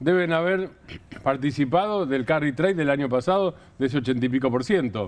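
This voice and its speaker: A man with an Argentine accent speaks at a fairly high pitch and a fairly quick pace. His intonation is lively, and his loudness stays very even. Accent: Argentine Spanish (Rioplatense). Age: old. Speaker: journalist panelist. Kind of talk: panel discussion.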